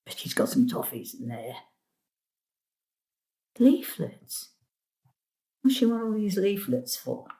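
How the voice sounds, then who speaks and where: A woman's voice: medium pitch, sing-song, slow, pauses often, warm tone. An actress playing a querulous, mischievous old grandmother, grumbling and theatrical, in an audio drama. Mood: muttering, curious.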